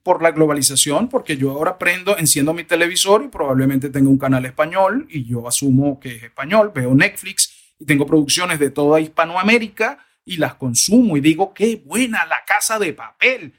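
Animated, talkative man, higher voice. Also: brisk, hardly any pauses. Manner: animated, discursive, frequent "o sea" asides. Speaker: guest, voice and diction expert. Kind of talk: conversational interview answers. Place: lives in the United States.

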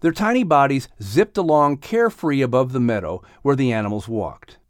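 Expressive male audiobook narrator. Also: mid-range voice, moderate pace, dry recording, clean studio sound. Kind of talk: scripted children's story narration.

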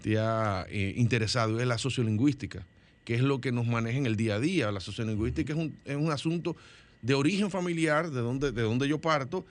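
A man's voice: medium pitch, brisk. A man from the Dominican Republic with a Dominican Spanish accent, a guest in a studio discussion, who explains at length and often restarts or repeats his words.

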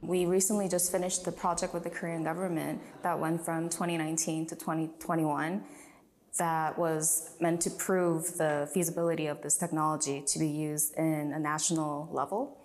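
A woman explains a technology in a measured, steady voice. Her pitch is a bit low and barely moves. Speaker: tech company spokesperson. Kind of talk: interview explanation.

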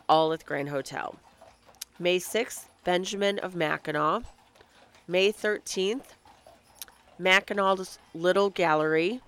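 A woman's voice: fairly low pitch, a bit bright, clear, resonant tone. A woman hosting her own podcast, chatting casually and reading out lists of dates, her voice a little nasal and crackly from a cold. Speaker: podcast host. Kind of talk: casual solo podcast talk.

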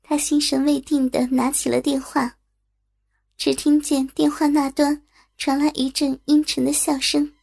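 High-voiced woman narrating a story. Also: a little slow, gravelly. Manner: steady, even storytelling.

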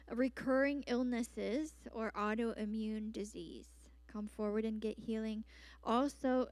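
A woman's voice: fairly high pitch, darkish tone, no echo. A woman hosting a church service, giving upbeat, chatty announcements and healing words with playful asides. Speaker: church host making announcements. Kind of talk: post-sermon announcements and words of knowledge.

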